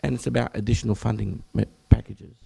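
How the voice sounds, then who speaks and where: An Australian man, a general practitioner, presenting to health professionals at an information session, with a croaky, hoarse voice; he clears his throat often and breaks off to restart phrases. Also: fairly low pitch, flat delivery, quick pace, mellow. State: hoarse, croaky from much talking.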